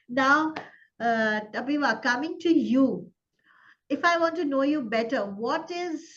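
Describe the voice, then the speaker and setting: A woman hosting an interview, asking curious questions in a casual way with halting restarts. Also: mid-range voice, muffled recording. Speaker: interview host.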